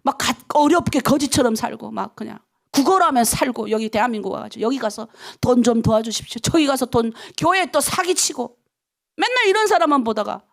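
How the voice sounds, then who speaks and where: A woman's voice: high-pitched, expressive, a little fast, gravelly. A middle-aged woman pastor from North Korea giving a dawn prayer sermon, emphatic and full of rhetorical questions to the congregation.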